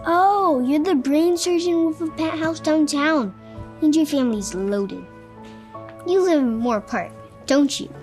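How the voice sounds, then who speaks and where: A woman's voice: sits high, a little slow, a little mellow. A woman voicing a curious, chatty little boy who is a hospital patient, talking sweetly and earnestly. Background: music.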